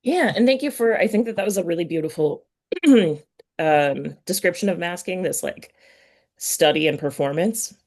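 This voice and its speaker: A woman hosting a casual interview, thinking aloud in a halting way and often correcting herself. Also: fairly low pitch, animated. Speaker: podcast host interviewing an author.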